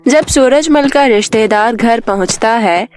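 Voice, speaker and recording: A woman narrates a scripted moral story for a cartoon. Her voice sits high, with faint music running underneath. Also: measured pace.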